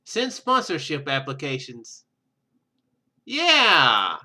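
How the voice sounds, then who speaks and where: A man doing casual let's play commentary, reading game text aloud and rambling as he thinks out loud. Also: on the high side, huge pitch swings, slow. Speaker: gaming video host.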